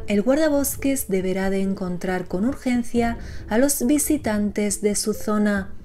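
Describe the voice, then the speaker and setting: A woman narrates from a script in a mellow, rounded voice. Her pitch sits in the middle range for a woman. Soft music plays faintly underneath her narration. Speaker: narrator of horror series explainer videos.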